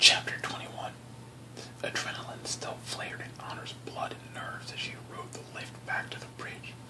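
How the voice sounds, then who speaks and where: Noticeable background noise accompanies someone whispering at a moderate pace. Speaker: ASMR reader. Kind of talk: whispered audiobook reading of a novel chapter. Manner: whispered, soft.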